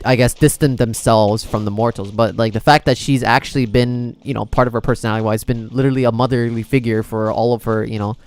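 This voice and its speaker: A man's voice: mid-range voice, fairly even intonation, fast talker, few pauses, smooth. Casual rambling male game streamer. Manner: rambling, thinking aloud. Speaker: game livestreamer. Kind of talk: casual live game commentary, chatting with viewers.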